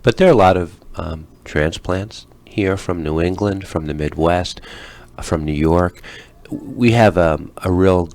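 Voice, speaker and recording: Male radio host, very deep voice, relaxed and conversational. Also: measured pace, hardly any pauses. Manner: relaxed, chatty with many ums. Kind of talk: casual radio interview.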